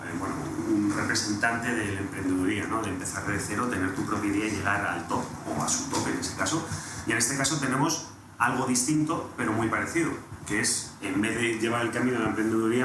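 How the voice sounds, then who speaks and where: A man's voice: fairly low pitch, fast. A young man with an accent from Spain, chatting casually as a podcast host and interviewer. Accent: Spanish (Spain). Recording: roomy echo, clearly audible background noise.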